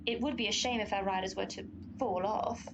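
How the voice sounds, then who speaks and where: A woman's voice: medium pitch, fairly even intonation, fairly quick, noisy background, close to an everyday voice. A woman playing an eloquent, scheming white horse of pestilence in a comic radio play, grandiose and silky. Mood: coolly persuasive.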